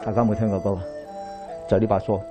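In a small indoor lecture hall before a screen, a Hong Kong Cantonese-accented Daoist priest in middle age speaks rapid-fire in a lowish voice, with music in the background. He paces and gestures while telling animated stories laced with rhetorical questions for his live audience.

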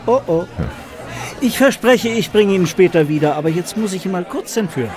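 A man's voice: sits high, lively intonation, normal speed. An actor playing a jovial, womanizing Hollywood millionaire producer in a radio play, chummy and playful. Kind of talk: German radio play acting. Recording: party crowd and music behind.

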